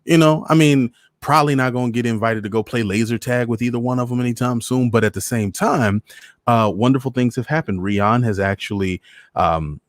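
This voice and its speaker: A man's voice: medium pitch, brisk, no echo, clean studio sound. An American man hosting a live online show, chatting casually to his viewers and repeating phrases for emphasis. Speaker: host of a live online story-reading show. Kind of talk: casual livestream chat to viewers.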